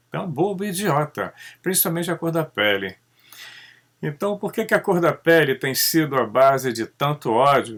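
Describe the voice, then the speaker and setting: A man from Brazil, talking through ideas in a casual monologue, tagging sentences with a questioning "né" and swinging his pitch up and down. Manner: conversational, tags sentences with "né?"; animated, pitch rising and dropping often. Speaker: channel host.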